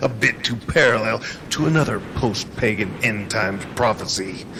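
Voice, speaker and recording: A man uses a put-on character voice at a medium pitch and a moderate pace. Loud background noise fills the recording. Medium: audio drama. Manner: imperious, grandiose.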